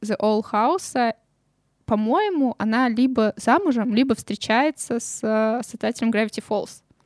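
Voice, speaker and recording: Recorded very cleanly against a silent background, a woman speaks at a fairly high pitch with a dry, close sound and no echo. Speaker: sociology graduate, marketing assistant. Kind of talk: casual interview.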